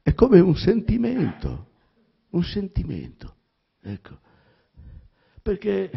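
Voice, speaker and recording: A man with a Romagna accent reading a theatrical monologue aloud, halting and stammering, full of repetitions and fillers. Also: sits high, huge pitch swings, gravelly, breathy edge. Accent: Romagna Italian. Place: public library reading event. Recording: dull lo-fi recording.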